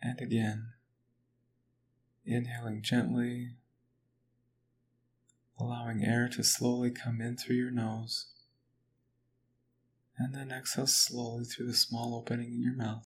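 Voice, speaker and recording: A man guiding a progressive muscle relaxation exercise, speaking slowly and calmly in an even, instructive way. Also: medium pitch, slight background noise. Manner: slow, calm, even instruction. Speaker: relaxation guide. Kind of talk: guided relaxation script.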